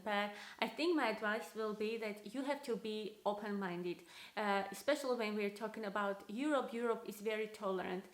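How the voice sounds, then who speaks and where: A woman in her thirties with a strong Armenian accent, chatting casually to camera as a vlogger with many fillers. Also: mid-range voice. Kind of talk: casual vlog talk to camera. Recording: echoey room.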